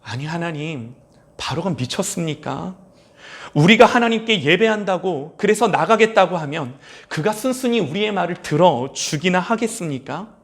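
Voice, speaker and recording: A man's voice: fairly high pitch, animated. Moses, a worried old man, as a pastor puts him on. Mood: exasperated. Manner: slow, pleading.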